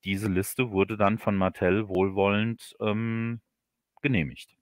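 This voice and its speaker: A man chatting casually as a guest author in a livestream interview, repeating words haltingly as he explains. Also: on the low side, steady tone, no echo, studio quality. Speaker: audio drama author, stream guest.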